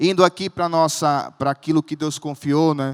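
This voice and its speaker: A man with a northeastern Brazilian accent, fairly high in pitch and at a fairly slow pace, in a very clean recording with a silent background and a dry, close sound with no echo. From Alagoas, northeastern Brazil. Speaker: pastor. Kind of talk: sermon.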